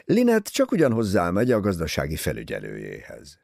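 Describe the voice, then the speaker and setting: A man voicing a teasing, easygoing young English gentleman talking with his mother in an audiobook. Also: deep voice, wildly swooping pitch, gravelly, no echo, studio quality, heavily acted. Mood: wry teasing. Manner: wry, teasing.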